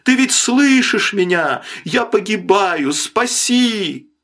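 A panicked male shopkeeper from an audiobook, voiced by a male reader, shouting high and shrill as he begs for his life. The pitch jumps well above the reader's own voice. He sounds desperate and frantic. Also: lively intonation, slow, exaggerated voice. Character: terrified drowning male shopkeeper, pleading.

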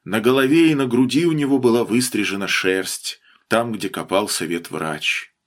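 A man reading an audiobook in a measured storytelling manner. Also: on the low side. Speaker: audiobook reader. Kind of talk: scripted narration.

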